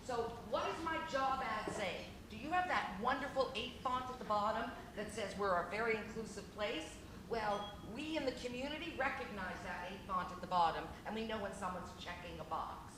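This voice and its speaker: A woman speaking on a conference panel as a diversity trainer, talking fast and animated with self-deprecating asides. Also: fairly high pitch. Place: conference hall. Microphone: handheld mic. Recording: echoey hall with background noise.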